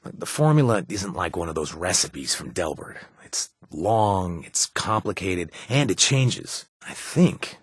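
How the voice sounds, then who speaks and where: Haunted ex-raider game companion: very deep, rough-edged voice, earnest, conversational delivery. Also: male voice, big pitch swings, dry recording, clean studio sound, heavily acted. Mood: matter-of-fact. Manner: halting, confiding, casual speech. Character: earnest, haunted reformed male raider in a post-apocalyptic wasteland. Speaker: companion character in a video game. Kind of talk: conversational video game acting.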